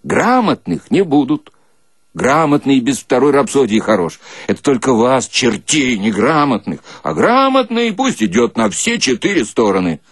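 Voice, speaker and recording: A man plays a bossy army commissar in a radio monologue. He is gruff and commanding, with a husky tone and big swings in pitch. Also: big pitch swings, moderate pace, no echo, clean studio sound. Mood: scornful. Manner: curt, commanding, colloquial.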